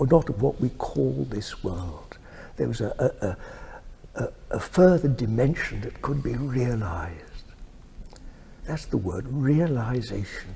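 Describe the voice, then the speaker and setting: A man with vocal fry speaks at a fairly slow pace, with very wide pitch swings and long, frequent pauses. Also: medium pitch for a man. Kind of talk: interview answer. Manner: soft-spoken, slow, calm.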